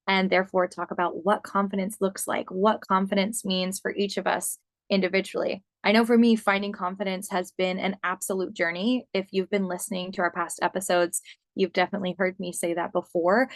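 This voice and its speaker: A woman's voice: mid-range voice, no echo. A young adult woman from Pennsylvania hosting her podcast alone, talking earnestly and encouragingly straight to the listener. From Pennsylvania, USA. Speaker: podcast host and body confidence coach. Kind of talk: solo podcast monologue.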